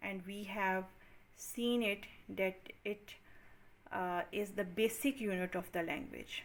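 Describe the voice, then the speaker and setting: At a very slow pace with long, frequent pauses, a woman of medium pitch speaks with fairly even intonation. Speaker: English grammar teacher. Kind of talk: tutorial. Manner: deliberate, with clear pauses.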